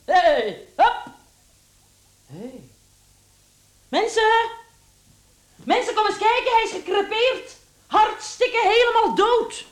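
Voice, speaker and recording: An actress playing a brash, coarse, unsentimental charwoman in a Dutch radio play, blunt and chatty. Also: sits high. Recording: roomy, echoing radio play.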